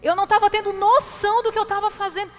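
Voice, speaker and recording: High-voiced woman pastor preaching in a reverberant hall. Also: fast. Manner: animated, confessional and self-mocking, talks directly to the congregation. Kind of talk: sermon with personal storytelling. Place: church hall, preaching from a stage. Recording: long hall reverb with faint music.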